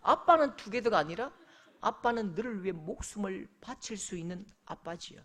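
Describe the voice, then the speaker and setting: A middle-aged male pastor preaching a sermon, telling a story with lively acted-out voices. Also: high-pitched, moderate pace. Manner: animated storytelling, acting out quoted voices. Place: church sanctuary.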